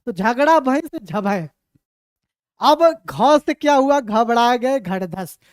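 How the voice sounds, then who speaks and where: Woman, teacher, lively storytelling, somewhat high voice, dry close sound. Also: slow, dry recording. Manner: lively, dramatizing, repeats mnemonic phrases. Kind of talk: storytelling lesson.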